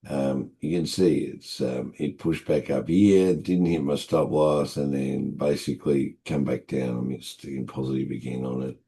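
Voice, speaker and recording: An Australian man with a hoarse, croaky voice, hosting a live trading session in a relaxed, rambling way. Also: extremely low pitch, a little slow, hardly any pauses. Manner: relaxed, rambling with many fillers. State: hoarse after being ill. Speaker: forex trading host.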